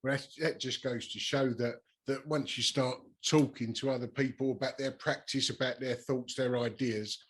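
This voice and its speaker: Man at a middling pitch, arts interview host, reflective, musing, short questions. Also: fairly even intonation, normal speed, hardly any pauses, a bit bright, slightly rough. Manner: reflective, musing, brief backchannels. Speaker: podcast host.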